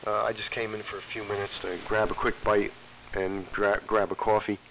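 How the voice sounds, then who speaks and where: A man's voice: fairly low pitch, little pitch movement, moderate pace. An American man, middle-aged and getting over a cold, chatting casually and plainly as a ham radio operator over shortwave AM. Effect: shortwave AM radio transmission. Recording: muffled, hissy shortwave radio reception. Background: faint static hiss.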